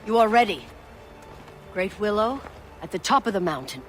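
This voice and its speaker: A woman's voice: mid-range voice, animated, moderate pace, lightly acted. Woman acting a solemn, commanding tribal elder over music. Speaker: game character giving guidance. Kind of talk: dramatic video game voice acting. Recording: music behind the voice.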